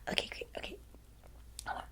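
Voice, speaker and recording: A woman playing a vampire's chatty, fawning young assistant in an ASMR roleplay, soft-spoken and breathy, with an American Valley girl accent and rambling, hesitant phrasing. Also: fairly quick, natural voice. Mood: eager, coaxing. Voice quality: breathy, mostly whispered.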